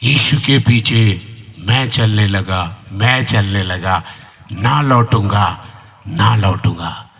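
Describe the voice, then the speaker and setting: A man preaching acts out a steadfast devout tribal man, chanting low and slow. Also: fairly bright tone, husky, full character voice. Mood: resolute.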